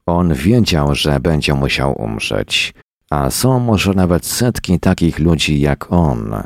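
A man voicing a weary, calm man who speaks in a tired, measured way. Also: rumbling low, creaky, no echo, studio quality, full character voice. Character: weary calm older man, scientist type.

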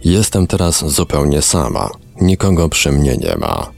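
A man reading the lines of a tired young woman under hypnosis, in slow, subdued, matter-of-fact answers. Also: very deep voice, very animated, vocal fry, darkish tone, full character voice. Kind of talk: reading a hypnosis session transcript aloud.

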